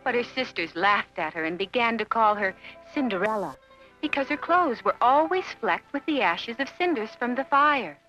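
A woman narrating a children's fairy tale from a script in an expressive, measured storybook manner. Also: on the high side. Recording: dull lo-fi audio, music behind.

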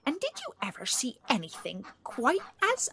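A woman voicing a spiteful, jealous female duck in a storybook, sneering and pitched above her own voice. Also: expressive, takes it slowly, a little hiss or hum. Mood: scornful.

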